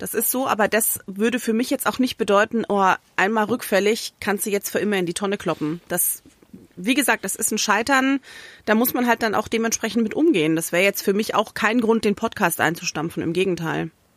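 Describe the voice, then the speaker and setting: An unremarkable speaking voice from a woman, fairly high in pitch, at a fairly quick pace with ordinary pitch variation, in a dry, close sound with no echo. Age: 40s. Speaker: podcast co-host, friend, self-employed. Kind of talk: casual chat.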